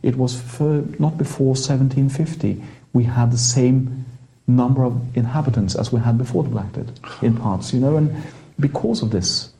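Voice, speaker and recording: Norwegian-accented priest, mellow voice. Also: male voice, medium pitch, creaky, low-quality recording. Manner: chatty, halting restarts, light laughter. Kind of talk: interview guest explaining history.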